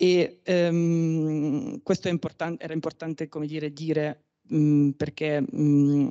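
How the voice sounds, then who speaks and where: With a Russian accent, a man talks in fairly even intonation against a quiet background. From Ukraine, Kharkiv; Ukraine. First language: Russian (speaking Italian). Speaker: art curator; speaker. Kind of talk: panel talk. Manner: halting. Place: hall. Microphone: handheld.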